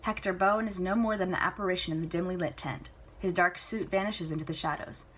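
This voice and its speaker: A woman's voice: lowish voice, fairly even intonation, fast talker, a bit bright, breathy edge, rough recording. A woman reading a novel aloud as an amateur storybook narrator. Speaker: amateur book reader. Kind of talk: storybook narration with casual asides.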